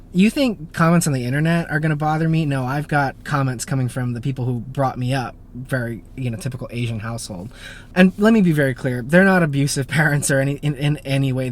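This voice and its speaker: A man's voice: mid-range voice, a little hiss or hum. A man in his thirties, born in Japan and raised in the United States, hosting a casual Q&A with lots of fillers and self-deprecating asides. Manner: chatty, self-deprecating, many fillers and restarts. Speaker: YouTube car channel host. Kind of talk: casual Q&A to camera.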